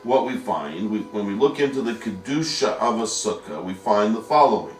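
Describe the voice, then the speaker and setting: A man's voice: lowish voice, lively intonation, normal speed, faint music behind. A man teaching a Talmud study lesson, patiently explaining step by step and posing rhetorical questions. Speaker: yeshiva teacher. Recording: echoey room, mic at a distance.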